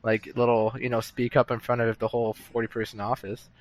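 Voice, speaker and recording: A young man, mid-pitched, rambling through a casual podcast chat. He trips over his own words and restarts often. He is recorded at a pub table. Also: monotone, brisk. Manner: rambling, self-interrupting storyteller. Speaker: podcast co-host. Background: bar chatter.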